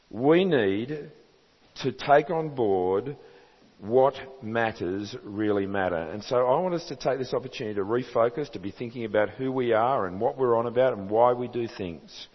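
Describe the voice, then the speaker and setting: An Australian man preaching a sermon as pastor, earnest and emphatic, asking his listeners rhetorical questions. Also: mid-range voice. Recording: reverberant hall, dull sound.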